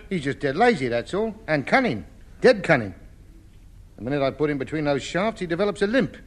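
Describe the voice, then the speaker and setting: A wily junk dealer. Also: male voice, a little high, very animated, fairly quick. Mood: wheedling. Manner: coaxing and cheeky. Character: wily, wheedling rag-and-bone dealer. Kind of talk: 1950s radio sitcom acting.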